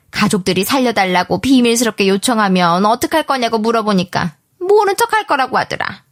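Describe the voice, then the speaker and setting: A woman voicing a scheming older mother-in-law who talks in a sly, insinuating way, pitched well above her own voice. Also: a bit bright.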